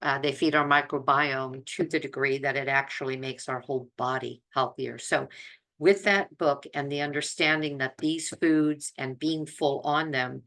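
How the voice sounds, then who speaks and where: Older lady in her 70s doing a chatty diet video, low voice but bright n forceful, leans on her words. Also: fairly even intonation, normal speed. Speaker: plant-based diet presenter and group leader. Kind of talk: chatty informal talk to online viewers.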